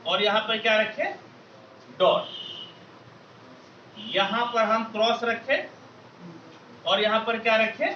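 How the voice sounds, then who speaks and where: A man teaches a class in a very high, bright, forceful voice, calling out questions again and again so the room answers back together. He sounds distant and echoey, as if picked up by a camera across a classroom, with a dull, slightly muffled tone and faint background hiss. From Bihar. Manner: call-and-response drilling, loud repeated questions to the class. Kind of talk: classroom drill lecture. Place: classroom with students.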